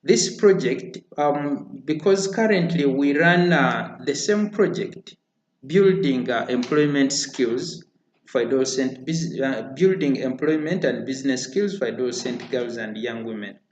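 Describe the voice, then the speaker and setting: An earnest man presents a prepared project pitch, stopping often on hesitant fillers. His voice sits at an ordinary middle pitch. The room around him adds a noticeable echo. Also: unhurried. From Uganda. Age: 30s. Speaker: founder of a community charity. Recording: roomy echo.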